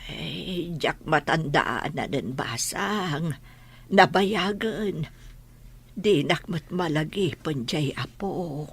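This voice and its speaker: A woman with an Ilocano Filipino accent acting a kindly, forgetful old grandmother in a radio drama, her voice husky and creaky. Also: low-pitched, animated, very slow, heavily acted. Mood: gentle, wistful.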